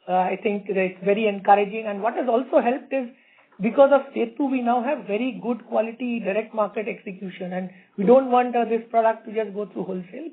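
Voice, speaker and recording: A middle-aged man with an Indian accent, an executive confidently answering questions on an earnings conference call, often repeating words as he explains. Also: extremely high pitch. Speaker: company executive. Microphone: conference call line. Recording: tinny narrow phone-line sound.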